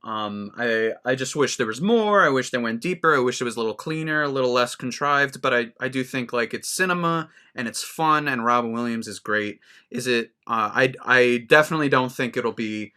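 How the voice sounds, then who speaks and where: A man's voice: mid-range voice, a little fast, few pauses, pushed and bright, clear, resonant tone. A man hosting a casual film podcast, talking in a rambling way with many restarts. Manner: rambling, restarts a lot, laughs often. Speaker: podcast host.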